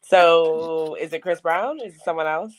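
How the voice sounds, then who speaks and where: A woman co-hosting a podcast in casual chat, candid and laughing easily, with a low voice she says is deep for a woman. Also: measured pace. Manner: candid, swears freely, laughs often. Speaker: podcast co-host.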